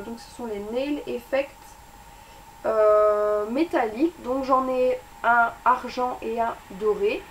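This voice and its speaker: A woman's voice: high voice, far from the mic, slight background noise, low-quality recording. A young woman chatting casually as a beauty vlogger, reviewing her monthly favorites with lots of fillers and restarts, recorded indoors at home.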